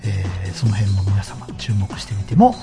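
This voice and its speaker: A man's voice: low voice, expressive, moderate pace, gravelly. A man hosting a solo show, talking casually and politely to his listeners. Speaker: host of a solo radio-style show. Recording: background music under the voice.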